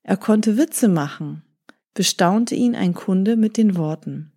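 A woman reads a storybook tale aloud in a calm, measured way. Her pace is slow and unhurried, and her voice sits mellow and dark rather than bright. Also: mid-range voice. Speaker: narrator. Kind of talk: storybook reading.

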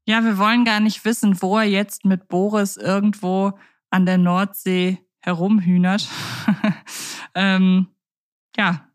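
A woman co-hosting a podcast, talking in a relaxed, thoughtful way with frequent fillers and restarts. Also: mid-range voice, slow. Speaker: podcast co-host. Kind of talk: casual podcast chat.

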